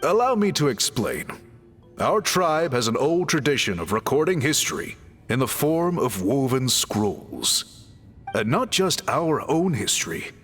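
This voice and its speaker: An actor playing a very tall, polite and slightly awkward tribal chief in an anime game, formal, hesitant and reassuring. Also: male voice, mid-range voice, very animated, a little slow, fairly bright tone. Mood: explanatory. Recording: long hall reverb, faint music.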